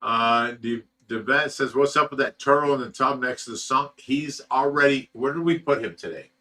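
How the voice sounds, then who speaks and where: A man in his sixties from Ohio, USA, hosts a casual fish rescue livestream, reading viewer comments and spinning rambling stories while he swears freely and laughs often. His voice is mid-range and sharp, at normal speed, heard through a distant mic.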